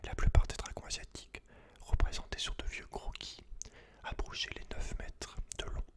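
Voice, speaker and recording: Guy doing asmr, breathy whisper the whole time, reads from a book and talks to you like a friend. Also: normal speed. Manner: informal, addresses the listener directly as a friend. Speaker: ASMR video host. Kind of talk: ASMR, whispered reading aloud and casual commentary on a book.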